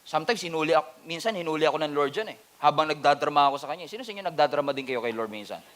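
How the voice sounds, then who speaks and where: A pastor from the Philippines with a Filipino accent, delivering an animated, humorous sermon that mixes Tagalog and English. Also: male voice, on the high side, very fast.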